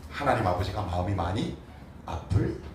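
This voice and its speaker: Animated pastor preaching in an echoey hall. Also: male voice, sits low, normal speed, slight background noise. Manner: animated, acts out quotes, questions the congregation. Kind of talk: sermon. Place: church sanctuary. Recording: echoey church hall, mic at a distance.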